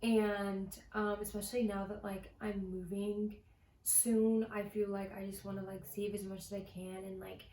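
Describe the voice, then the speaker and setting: Speaking in a mellow, level tone at medium pitch and a moderate pace, a young female vlogger chats to the camera about her budget. She's casual and talkative, saying "like" a lot, and the room is echoey with faint ambient noise.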